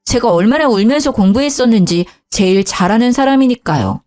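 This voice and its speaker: A woman's voice: a little high, expressive, brisk, a little mellow, soft background music. Indignant woman narrating her story. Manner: indignant, complaining. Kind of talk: first-person story narration.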